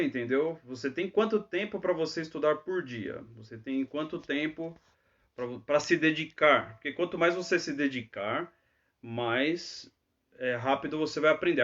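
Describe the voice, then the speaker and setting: A man's voice: a little high, a bit bright, muffled recording. A man teaching English in a live Q&A, chatty and always checking in with tag questions. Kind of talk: live Q&A lesson.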